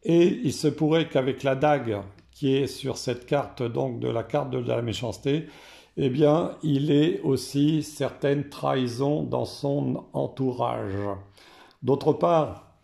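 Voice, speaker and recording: Hoarse French man, gravelly and mellow, unhurried card reader with frequent fillers. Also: mid-range voice. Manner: slow and hesitant, frequent "euh" fillers. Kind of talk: casual explanation to camera.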